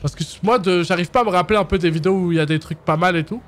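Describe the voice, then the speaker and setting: Excitable raging gamer, high-pitched man. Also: racing. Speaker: gaming video host. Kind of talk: casual chat while gaming with friends.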